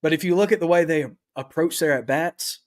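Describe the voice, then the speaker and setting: A man co-hosting a casual sports podcast, talking in a measured, agreeable way. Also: fairly high pitch. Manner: measured, agreeable, many "uh" fillers.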